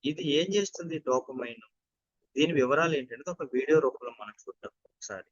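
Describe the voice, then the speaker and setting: A man's voice: medium pitch, lively intonation, a little fast, dry recording, muffled recording. A man speaking politely and deferentially as a co-presenter.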